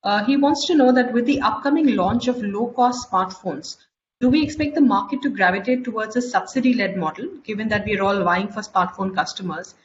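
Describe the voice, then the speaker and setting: A woman's voice: medium pitch, fairly quick. A woman moderating an earnings call, reading out investor questions. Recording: dull, noisy conference-call audio.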